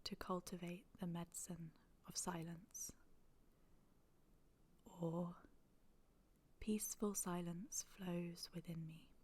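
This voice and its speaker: Soft, even-toned woman guiding meditation. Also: fairly low pitch. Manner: soft, breathy, near-whispered delivery; calm, soothing, gentle, with long pauses. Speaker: yoga nidra meditation guide. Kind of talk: guided meditation.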